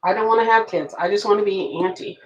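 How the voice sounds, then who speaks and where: A planner vlogger in her late thirties journals at home while loosely chatting with viewers and reacting to their comments in a rambling live stream. She talks fast at a medium pitch, and the low-quality recording is reverberant with a little hiss or hum.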